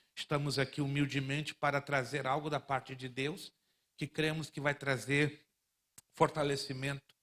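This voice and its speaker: In a dry, close sound with no echo, a man speaks at a moderate pace with a fairly high pitch and monotone, flat intonation. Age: 60s. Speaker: guest pastor. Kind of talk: sermon.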